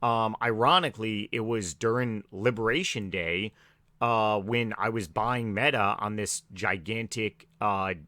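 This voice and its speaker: Raspy guy talking stocks, kinda low energy, lots of ums, bright dry sound. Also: fairly even intonation, measured pace, no room sound. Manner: low-key, filler-heavy, says he lacks enthusiasm. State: raspy voice from allergies. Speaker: stock market vlogger. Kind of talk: casual market commentary.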